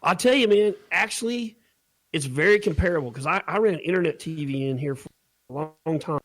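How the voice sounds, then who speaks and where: An American man co-hosting a podcast chats casually, laid-back, slangy and mildly profane. His voice is a little high, brisk and a bit bright, with no room sound.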